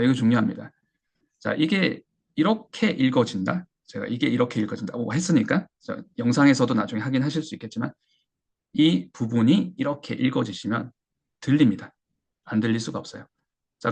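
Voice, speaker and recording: A man teaching an English listening lesson, talking haltingly with fillers and slowly drilling phrases. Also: medium pitch, vocal fry, darkish tone, husky. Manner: halting, with many fillers and restarts.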